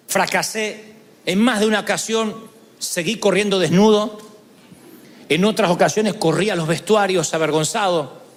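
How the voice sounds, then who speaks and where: A man preaching a sermon, telling stories with quick asides and slow, emphatic phrases. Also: sits high, big-room sound.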